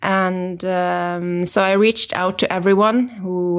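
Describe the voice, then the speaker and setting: A woman with a Norwegian accent speaks at a very slow pace in a medium pitch, on a very clean recording with a silent background. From Norway, Bergen. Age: 40s. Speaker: tech executive. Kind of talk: interview. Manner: halting.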